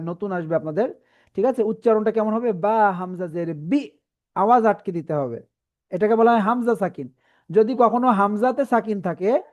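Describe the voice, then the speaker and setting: A woman teaching a Quran reading class, spelling out letter combinations slowly and often checking in with her students. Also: medium pitch, darkish tone. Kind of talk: online class lesson.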